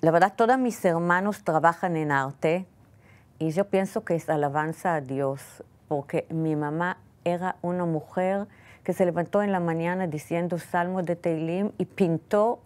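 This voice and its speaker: A woman's voice: lowish voice, a little mellow. Israeli woman telling family stories. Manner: careful, slightly halting non-native Spanish. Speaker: guest. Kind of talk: interview storytelling.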